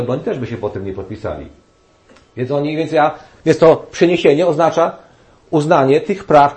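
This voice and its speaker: Man, preacher, Bible study sermon, mid-pitched voice, conversational, frequent restarts. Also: a little mellow.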